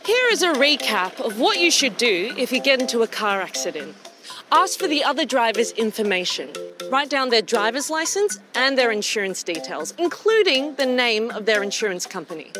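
A woman presents an English lesson in a clear, deliberate, instructional voice. She speaks very slowly, her fairly high pitch rising and falling a lot. Loud music plays under her. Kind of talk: scripted lesson recap.

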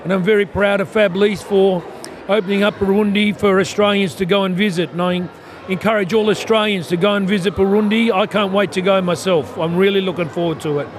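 A man's voice: sits high, fairly even intonation, fairly quick, a little hiss or hum. An older man speaking effusively at a community festival, interviewed outdoors. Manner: effusive, gushing. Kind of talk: enthusiastic vox pop.

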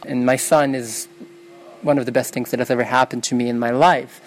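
A woman's voice: a bass voice, steady tone, fairly quick, a little hiss or hum, poor audio. A young woman from New York, a native Yiddish speaker, answering interview questions in an earnest, self-correcting way. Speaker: interview guest.

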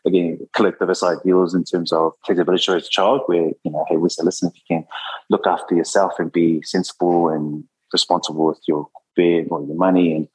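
A man's voice: low-pitched, flat delivery, fairly quick, a little mellow, poor audio. A man speaking in a casual interview, thoughtful and full of fillers.

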